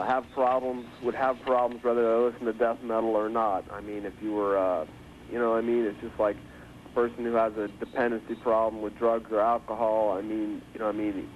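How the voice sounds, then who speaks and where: A record producer calling in by phone, speaking casually and hesitantly with many fillers, heard from a worn tape copy. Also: male voice, medium pitch. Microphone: telephone. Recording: dull phone line on worn tape with hiss.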